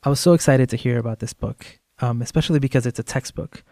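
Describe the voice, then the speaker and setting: A man's voice: mid-range voice, quick pace, gravelly, mellow, no room sound, clean studio sound. A man hosting a podcast, introducing interview segments with enthusiasm and filler ums. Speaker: podcast host. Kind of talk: podcast narration between interview clips.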